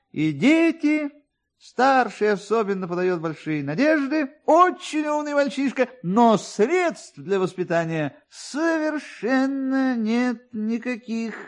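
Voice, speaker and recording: A man performs a short-sighted police officer for a radio story. The voice is raised high and very animated. He is obsequious and rambling, always hinting at a favour. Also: slow pace, full character voice. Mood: ingratiating, hinting.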